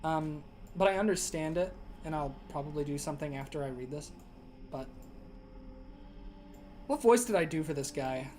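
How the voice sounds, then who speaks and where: A man's voice: on the high side, normal speed, long pauses, darkish tone, a little hiss or hum. Rambling young male streamer, dry throat. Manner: rambling, lots of fillers and restarts. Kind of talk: casual gaming stream chat.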